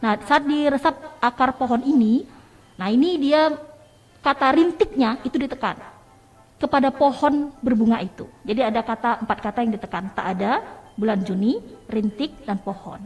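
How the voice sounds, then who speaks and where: A woman teacher giving a radio lesson, explaining step by step and addressing her listeners warmly as children. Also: fairly high pitch, moderate pace, breathy edge, faint music behind. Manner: explains step by step, calls listeners "nak" and "sayang".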